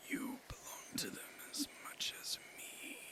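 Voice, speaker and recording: A put-on character voice whispers at a fairly slow pace. Loud background noise fills the recording. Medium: read story. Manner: desperate.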